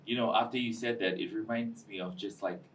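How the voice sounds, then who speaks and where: A man from Fiji, hosting a casual studio interview in a chatty, expressive way and tagging remarks with "eh?". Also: lowish voice, fairly quick, a little hiss or hum. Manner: chatty and expressive, with a habitual tag "eh?". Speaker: talk show host.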